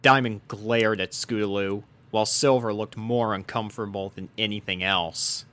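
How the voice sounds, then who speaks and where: A man's voice: lowish voice, steady tone, moderate pace, fairly bright tone. A man reading a fan fiction story aloud as its narrator, in scripted storybook narration. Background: background music.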